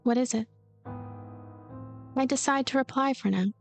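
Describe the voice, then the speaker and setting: Woman as a cynical girl narrator, slightly high voice. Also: normal speed, gravelly, soft background music. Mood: wry, puzzled. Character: cynical lonely girl narrator, blunt, scheming, quietly seething. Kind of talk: first-person visual novel narration read aloud.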